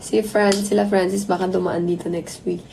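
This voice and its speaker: A hoarse woman hosting a casual live stream into her phone, chatting affectionately with viewers and mixing Tagalog with English. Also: on the low side, flat delivery, normal speed, noisy background. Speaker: livestream host.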